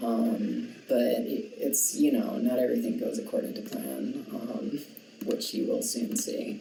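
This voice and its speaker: The speaker is soft-spoken and talks at a fairly slow pace. Noticeable background noise is present. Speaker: gaming youtuber. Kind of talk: game commentary. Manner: hesitant, many fillers.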